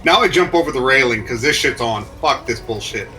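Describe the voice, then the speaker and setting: A man's voice: mid-range voice, lively intonation, fairly quick, sharp tone, faint music behind. A man playing a tabletop game, talking bluntly and swearing freely. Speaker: player. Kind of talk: casual in-game chat.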